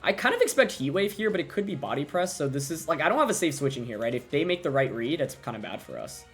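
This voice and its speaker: A man's voice: a little high, very animated, quick pace, soft background music. A young man commentating his own competitive video game battle, thinking aloud and second-guessing his plays. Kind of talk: live gameplay commentary.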